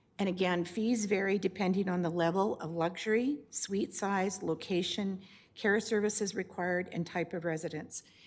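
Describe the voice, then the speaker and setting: A woman with a plain, everyday voice talks at a moderate pace and medium pitch, her intonation fairly even. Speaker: seniors housing manager presenting to council. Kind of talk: presentation to town council.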